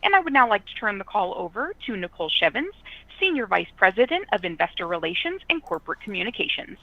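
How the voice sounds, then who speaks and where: Creaky woman operator on a dull phone line. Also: mid-range voice, very animated, fast talker, no room sound. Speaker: conference call operator. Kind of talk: scripted call announcement. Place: telephone conference call. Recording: dull lo-fi telephone conference line.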